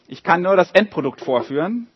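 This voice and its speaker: A man reading a story aloud to a group of children and drawing pictures along with it, in a lively, animated way. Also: sits high, a little fast, husky, lo-fi sound.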